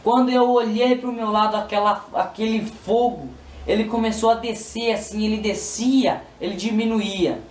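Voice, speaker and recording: A Brazilian man with a Brazilian Portuguese accent gives an emotional religious testimony, retelling events in a repetitive, pleading way. His voice sits high and slightly mellow, with a steady tone and moderate pace. The recording is roomy, with a distant mic and faint background noise.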